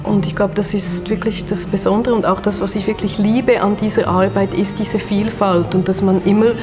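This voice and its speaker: A woman who directs a dance project talks calmly and steadily about her work. Her voice is at a middle pitch. Clear music runs beneath her words. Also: moderate pace. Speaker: artistic director. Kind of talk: interview portrait. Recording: music bed underneath.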